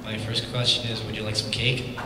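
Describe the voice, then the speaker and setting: A man's voice: fairly low pitch, flat delivery, brisk. A man in the audience at a fan convention, casually and jokingly asking a question with some hesitation. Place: large convention hall, indoors. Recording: very echoey hall, loud crowd, distant.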